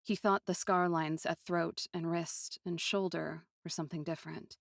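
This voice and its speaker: A woman narrating first-person fiction dramatically, with a deliberate, poetic, often hushed delivery. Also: lowish voice, steady tone, vocal fry, no room sound, clean studio sound. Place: close, dry recording.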